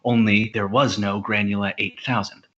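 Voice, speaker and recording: A man playing an earnest, pompous space hero stranded on Earth in an audio comedy drama, speaking gravely and formally. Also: lowish voice, level tone, normal speed, fairly bright tone, dull audio, close to an everyday voice. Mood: urgent, self-important.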